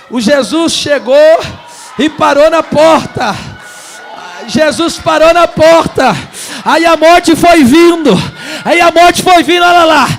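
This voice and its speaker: A man with a Brazilian Portuguese accent preaching a charismatic Pentecostal sermon, shouting and chanting repeated phrases, with bursts of speaking in tongues. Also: very high voice. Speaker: pastor. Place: church service.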